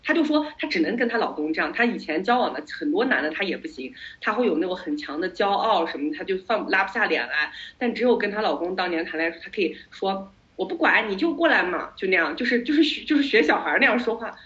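A woman podcast host in a relaxed chat, telling stories with animated energy and slipping English words into her sentences. Her voice sits at a middle pitch. The recording is somewhat muffled and lo-fi. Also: fast, few pauses. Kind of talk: casual chat. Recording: slightly dull lo-fi audio.

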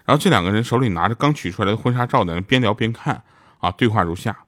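A man's voice: lowish voice, expressive, fast, a bit bright, no echo, studio quality. A man hosting a comedic podcast, joking and mocking himself, often laughing as he talks. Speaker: podcast host. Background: background music.

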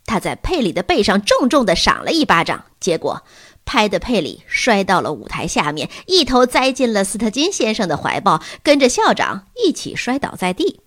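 A woman's voice: mid-range voice, big pitch swings, moderate pace, fairly bright tone, no room sound, clean studio sound. A woman narrating a children's story as an audiobook, reading expressively.

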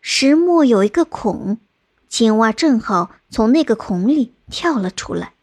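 A woman narrating a folk tale in a slow, measured storytelling voice. Her voice sits somewhat high and has a husky, breathy edge. She keeps the pace unhurried throughout. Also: expressive, a little mellow, no echo. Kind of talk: folk tale read aloud.

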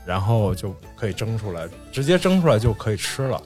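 A man's voice: lowish voice, very animated, a little fast, darkish tone, faint music behind. A man in casual conversation, explaining food descriptively and repeating phrases as he goes.

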